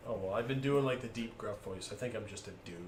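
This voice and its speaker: Rambling young man at a gaming table. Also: lowish voice. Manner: rambling, halting restarts, joking. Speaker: player. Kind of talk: tabletop game play chat. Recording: echoey room, far from mic, loud noise.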